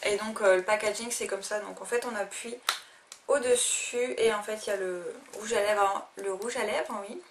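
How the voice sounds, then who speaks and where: A woman's voice: medium pitch, steady tone, normal speed. A young woman casually reviewing makeup she bought, talking hesitantly with many fillers and restarts. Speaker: beauty vlogger. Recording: faint noise, a little distant from the mic.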